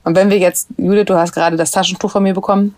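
A woman's voice: mid-range voice, flat delivery, quick pace, a little mellow, no echo. A woman in her thirties co-hosting a casual parenting podcast, explaining her points with everyday examples. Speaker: podcast co-host.

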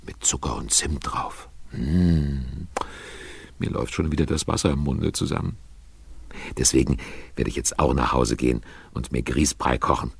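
An older man narrates a children's radio play in a cosy storytelling style. His voice is extremely low and very raspy, with a creaky edge, and it sounds close and dry. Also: moderate pace, no room sound.

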